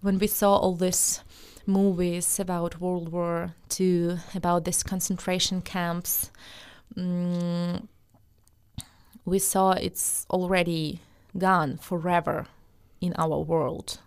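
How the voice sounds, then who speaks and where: A woman's voice: on the low side, flat delivery, slow pace, clean tone. A woman from Ukraine's Donetsk region whose first language is Russian, speaking English with that accent and answering interview questions emphatically, often restarting her sentences. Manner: emphatic, many restarts and hesitations.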